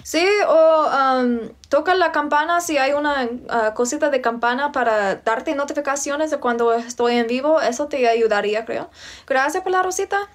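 A woman's voice: high voice, moderate pace. A young woman from Virginia hosting a casual phone livestream at home, reading out and answering viewers' comments, greeting them by name. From United States, Virginia. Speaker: livestream host. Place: indoors, home room. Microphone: phone held close.

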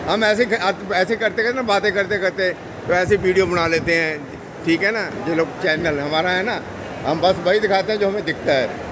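Chatty Punjabi-accented man, high voice. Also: normal speed. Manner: chatty, greets people warmly in passing. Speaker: vlogger. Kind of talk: walk-around expo vlog chat. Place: busy indoor exhibition hall. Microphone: handheld phone camera. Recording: loud background noise.

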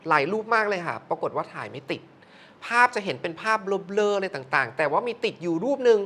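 A woman's voice: fairly low pitch, sing-song, fast, a bit bright, slightly rough. A middle-aged woman telling a haunted film-set story in casual conversation, acting out quoted voices expressively. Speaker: film producer or director.

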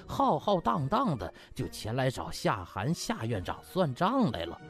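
A man narrating a comic novel as an audiobook, theatrical and colloquial in his delivery. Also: mid-range voice. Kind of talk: comic scripted storytelling.

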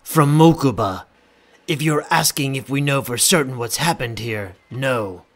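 A man plays a commanding businessman in an audio drama. He is curt and controlled, with a medium-pitched voice that gives terse orders. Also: a little slow. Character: Seto, curt commanding businessman, tense older brother.

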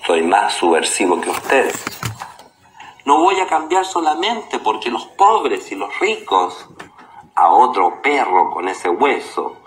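Man playing slow, deep, defiant gay poet. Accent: Chilean. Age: older. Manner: deliberate, declamatory. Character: defiant, proud ageing gay poet and outcast. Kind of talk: declaimed radio theatre monologue. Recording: roomy echo with music behind.

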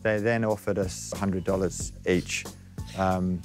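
A man's voice: deep voice, flat delivery, unhurried, soft background music. A man in his thirties with a New Zealand accent, recounting events bluntly and with indignation in an outdoor interview. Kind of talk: casual interview. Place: outdoors by a harbour.

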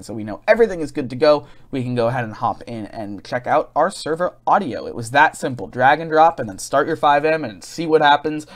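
A man giving a casual software tutorial as host, recorded as a voice-over at his computer. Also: medium pitch.

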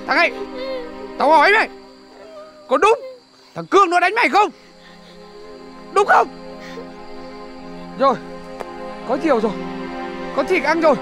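A woman's voice: very high voice, sing-song, unhurried, long pauses, fairly bright tone, faint music behind, heavily acted. An actress playing a bossy, harsh young village woman who scolds and orders people around, in a television drama. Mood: scolding.

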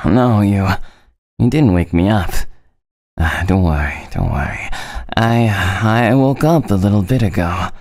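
Drowsy, stammering student acted by a man, swinging pitch. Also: no room sound, clean studio sound, full character voice. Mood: groggy. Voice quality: sleepy morning voice. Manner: halting, stammering. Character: drowsy, flustered, teasing male student on a phone call. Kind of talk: scripted roleplay voice acting.

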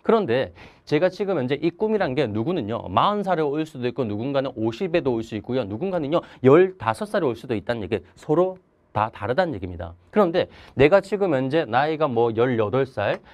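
An earnest man in his thirties gives a motivational talk to students, speaking with emphasis. His voice sits at an ordinary middle pitch. He moves about at a chalkboard as he talks, and a lapel mic picks him up cleanly in a studio. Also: big pitch swings, brisk, darkish tone, lo-fi sound. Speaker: mind coach teacher.

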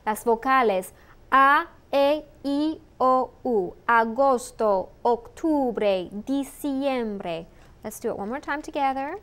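Slow, clearly spoken woman teaching. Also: high-pitched, fairly bright tone. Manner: slow, clearly enunciated drilling with pauses for repetition. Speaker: Spanish teacher. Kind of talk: bilingual language lesson.

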